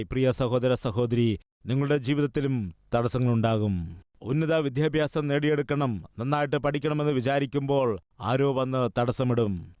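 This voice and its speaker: Smooth-voiced male preacher asking questions. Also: mid-range voice, darkish tone, no echo, clean studio sound. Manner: asks the listeners question after question; earnest, pleading appeals. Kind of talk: sermon.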